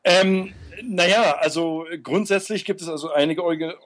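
A man's voice: high-pitched, normal speed, fairly bright tone. A man working for an aid group, answering interview questions casually, hesitant, with many fillers and restarts. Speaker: aid worker being interviewed.

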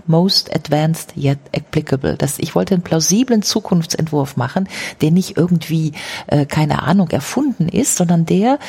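A woman guest in an interview, explaining her ideas at length and tossing in tag questions as she goes. Her voice is dark and gravelly, with a husky edge. Her pitch leaps up whenever she stresses a point. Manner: talks in long runs, often adds tag questions and fillers; lively, jumping pitch on emphasis. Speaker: author and guest.

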